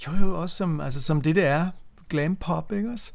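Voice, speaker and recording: On a casual music radio chat, a man from Denmark in his fifties co-hosts, recalling memories hesitantly with repeated words and frequent restarts. He has a fairly high, creaky voice.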